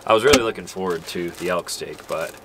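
A man's voice: low voice, brisk, very noisy. A man in his thirties chatting casually to camera as a vlogger inside a small truck camper.

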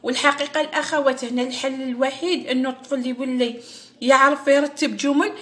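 With an Algerian Arabic accent, a primary school teacher patiently explains a first-grade exam to young pupils, repeating each word slowly. Her voice is high with fairly even intonation, recorded on her device in a screen-share style.

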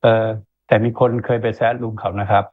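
A man's voice: fairly low pitch, flat delivery, a little fast, no room sound. A man in an interview giving stock market commentary, talking emphatically and checking in with rhetorical questions, over a tinny phone-line sound. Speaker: investment analyst guest.

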